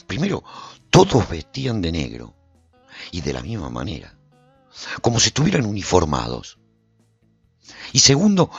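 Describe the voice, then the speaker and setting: A wary, world-worn survivor recounts his journey in a radio drama. The voice is very low and husky, recorded close and dry. The delivery is measured and suspenseful, with wide swings in intonation. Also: heavily acted. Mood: uneasy, guarded. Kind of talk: scripted dramatic first-person radio serial narration.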